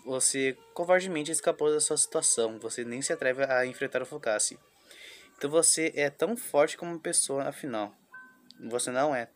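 A man's voice: mid-range voice, fairly quick, faint music behind, lightly acted. A man reading a visual novel aloud, voicing cruel girls who taunt and accuse in a nightmare. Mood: scornful. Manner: scornful, accusing.

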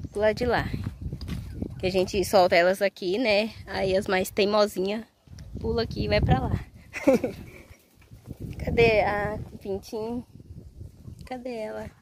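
A woman's voice: mid-range voice, steady tone, slow pace, pauses often, noisy background. A woman vlogging outdoors on a farm, chatting away to her viewers as she films on a handheld phone. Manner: chatty, keeps addressing viewers directly. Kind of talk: casual farm vlog. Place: outdoor farmyard with animals.

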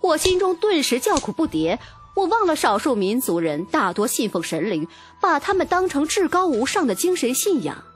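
A woman's voice: high voice, very animated, moderate pace, soft background music. A woman narrating a novel in a dramatic, scripted first-person storytelling style. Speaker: audiobook narrator.

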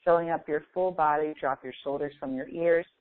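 A woman's voice: low voice, fairly even intonation, dry recording. Phone-like recording of woman guiding meditation. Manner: slow, deliberate, instructive, with long pauses. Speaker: meditation guide, coach. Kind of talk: guided meditation and visualization. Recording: phone-like thin, band-limited audio.

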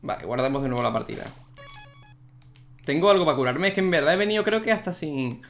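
Chatty Spanish gamer over game music. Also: male voice, a little high, animated, quick pace, vocal fry. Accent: Spain. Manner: chatty, reacting out loud to the game. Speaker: gaming youtuber. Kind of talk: let's play commentary.

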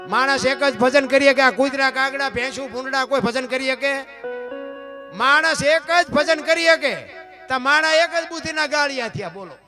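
A man telling folk wisdom to an audience, folksy and rhetorical, often calling out to his listeners. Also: extremely high pitch. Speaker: folk storyteller. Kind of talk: folk storytelling talk to an audience.

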